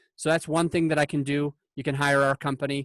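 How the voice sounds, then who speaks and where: Recorded very cleanly against a silent background, a man with a fairly high pitch sounds dry and close, with no echo. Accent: American. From Utah. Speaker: real estate investor and coach. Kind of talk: interview. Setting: podcast recording with his kids present. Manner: soft-spoken.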